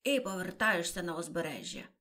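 A woman voicing a boisterous, excitable male griffin from a storybook, who keeps interrupting and shouting. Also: fairly low pitch, a little fast, full character voice.

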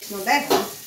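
A woman vlogging casually while she cooks at the stove at home, loud and chatty, laughing often. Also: extremely high pitch, a little hiss or hum. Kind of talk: casual chat while cooking. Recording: echoey kitchen, mic set far off.

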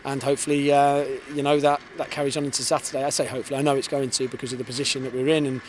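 A man in his thirties talks fast and earnestly into a handheld mic, his pitch held fairly flat as he restarts phrases with repeated words. Outdoor stadium noise sits clearly behind him on the night pitch. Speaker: football head coach. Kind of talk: post-match interview. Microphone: handheld reporter's mic held in front.

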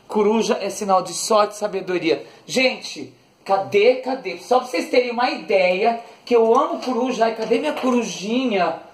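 A man's voice: high-pitched, normal speed, distant mic. A man hosting a casual unboxing vlog, sweetly coaxing his dog and laughing often. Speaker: channel host. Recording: echoey room, voice off the mic, faint noise.

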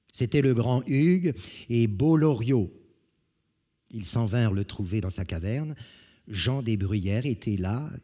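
A man giving an expressive live literary reading in a large auditorium, moving theatrically between hushed and loud passages. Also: on the low side, husky. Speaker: reader.

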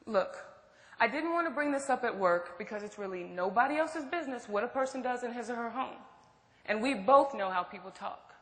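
A woman's voice: fairly high pitch, expressive, normal speed, fairly bright tone. A woman acting in a stage play as a protective, outspoken best friend, blunt, probing and emphatic. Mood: concerned. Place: theatre stage. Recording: echoey theatre hall.

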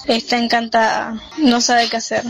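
A woman's voice: fairly high pitch, monotone, normal speed, gravelly. A young woman with an Argentine accent playing a bossy, scheming, fawning older mother in an amateur radio play. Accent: Argentine, Buenos Aires area. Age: young adult.

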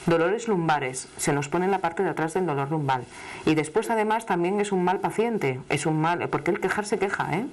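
Speaking at a moderate pace in a fairly low voice, the middle-aged Asturian woman, from Asturias, Spain, does a live tarot reading on television for a caller. Her Asturian Spanish comes across emphatic, familiar and chatty, picked up by a studio microphone as she sits at a desk.

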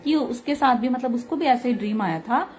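A woman's voice: fairly high pitch, animated, a little fast, a little mellow. A woman with a sore throat, earnestly recounting a devotional experience in casual spoken testimony. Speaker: devotional speaker sharing a satsang.

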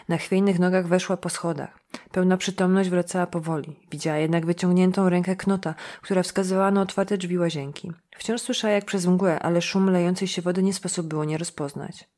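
Woman audiobook narrator, steady thriller reading, low-pitched. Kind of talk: scripted narration.

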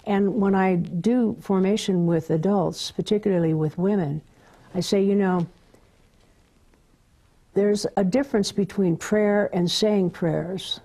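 An older Catholic sister from Southern California, a guest in a television studio interview, talking earnestly and affirmingly, on a lapel mic. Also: female voice, mid-range voice, fairly even intonation, a little slow, mellow. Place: studio set, indoors.

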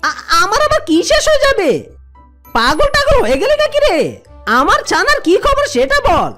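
Squeaky, sneering cartoon fox villain. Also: female voice, big pitch swings, normal speed, fairly bright tone, soft background music, heavily acted. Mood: greedy taunting. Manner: taunting, sneering, stammering when startled. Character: greedy, bullying, cowardly jungle fox villain. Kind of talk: children's cartoon voice acting.

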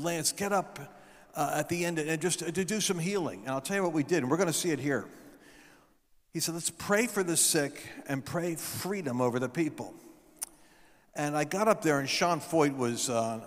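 Middle-aged man, high voice, revival preacher, storytelling on stage, handheld mic, long hall echo. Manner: storytelling, building to shouted proclamations. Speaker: guest speaker. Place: large event hall stage.

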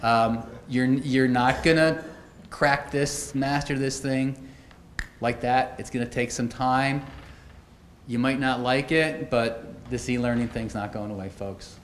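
A man's voice: medium pitch, fairly even intonation, slow. A middle-aged man giving a conference keynote at a podium, telling stories in a conversational way with wry asides. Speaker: keynote speaker. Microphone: podium microphones. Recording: echoey auditorium, faint noise.

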